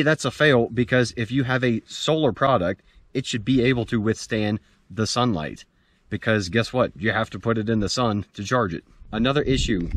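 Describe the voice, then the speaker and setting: An American man in his forties giving a casual, plain-spoken gear review to camera outdoors. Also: lowish voice. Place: outdoors in a dirt clearing among pines.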